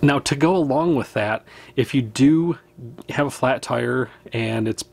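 A man, hosting a fishing channel and talking casually to camera about trip gear, relaxed and practical, with small laughs. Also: mid-range voice, unhurried, creaky, husky. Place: indoors, small room with wood-panel wall.

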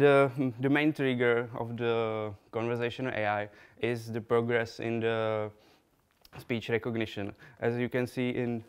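A young man from the Czech Republic speaks English with a Czech accent, presenting slides in a lecture room. His voice is very smooth and clear but flat in pitch. He talks haltingly, full of fillers and restarts. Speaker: researcher giving a talk. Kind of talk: conference talk with slides.

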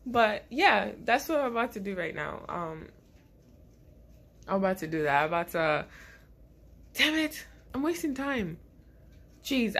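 Lady chatting to her phone in her bedroom, congested and rambly, kinda low voice. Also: fairly bright tone. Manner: chatty, rambling, laughs often. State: stuffy head cold. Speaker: vlogger. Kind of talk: casual vlog chat to camera. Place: small bedroom indoors.

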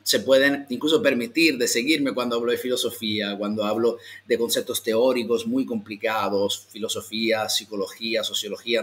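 Italian male language teacher, mid pitch, online beginner lesson, slow modeled phrases. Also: a bit bright. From Italy. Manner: slow, exaggerated model pronunciations for repeating.

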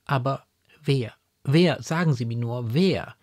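A man's voice: fairly high pitch, lively intonation, unhurried, dark tone, pitched above the performer's own voice. A man reading the part of a young noblewoman in a classic audiobook, with agitated, exclaiming speech. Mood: distraught. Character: young noble lady, bewildered and distraught.

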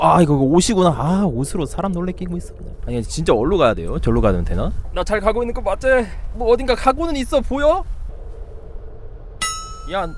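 High, jumpy male game streamer. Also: a little hiss or hum. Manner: jumpy, yelps when startled, talks to himself and chat; taunts the game's ghosts jokingly. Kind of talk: live horror game stream commentary.

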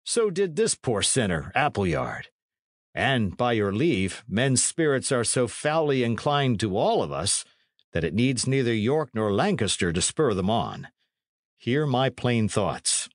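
Man doing rough-mannered man-at-arms, cheerful, plain archaic talk, animated intonation, dry close sound. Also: mid-range voice, measured pace, dry recording. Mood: blunt. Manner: plain-spoken archaic speech. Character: blunt, unshockable medieval soldier, cheerfully grasping.

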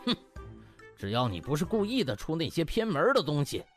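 A man's voice: a little high, wildly swooping pitch, a little fast. A man playing a boastful, conceited male doctor in an audiobook, haughty and huffy. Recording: music bed behind.

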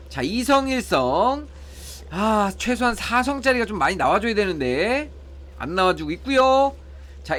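This is casual gameplay commentary: a man talks through his mobile game pulls, keeping count of the results and hoping aloud for good ones. His voice sits high and sounds a bit bright.

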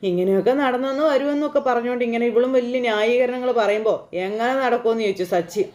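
A woman's voice: a little high, fast, a little mellow. Chatty woman retelling a TV serial. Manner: chatty, conversational, frequent fillers addressing the listener. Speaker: serial episode recap narrator. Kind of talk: casual spoken retelling of a TV serial.

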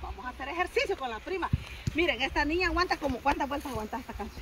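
A woman's voice: sits high, lively intonation, racing. A middle-aged woman, chatting and teasing on a football field outdoors. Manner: chatty, teasing, laughing at herself. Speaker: vlogger. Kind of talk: casual chat. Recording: outdoor noise on a phone.

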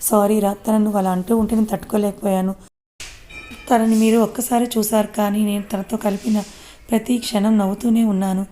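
A woman's voice: mid-range voice, level tone, fairly quick, warm tone, a little hiss or hum, lightly acted. Woman reading a lovesick, stubborn young man. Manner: insistent, defensive.

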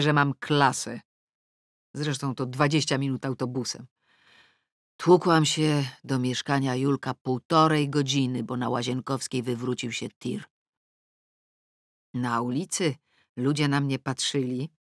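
A woman's voice: extremely low pitch, no echo, studio quality. A middle-aged woman reading a first-person comic novel aloud, wry and self-mocking, dropping to sulky mutters and rising into exclamations. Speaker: audiobook narrator. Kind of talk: first-person audiobook narration.

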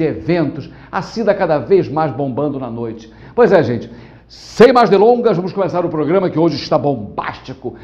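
Excitable Carioca TV host man. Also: a little high, muffled recording. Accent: Carioca Portuguese. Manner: chatty, exclamatory, talks straight to viewers. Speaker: TV show host. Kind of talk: lively TV show opening.

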